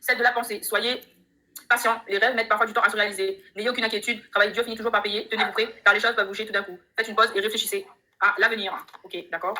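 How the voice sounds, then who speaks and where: A woman's voice: mid-range voice, level tone, fast, pushed and bright. A woman at home giving a chatty, upbeat live tarot reading that she speaks straight to her viewers. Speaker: tarot reader on a live stream.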